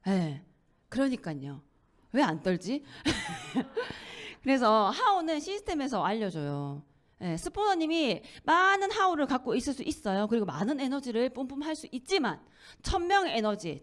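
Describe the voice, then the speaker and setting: A middle-aged woman giving a motivational lecture on network marketing, acting out little dialogues and laughing often. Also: on the high side. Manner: animated, acts out quoted dialogue, laughs often.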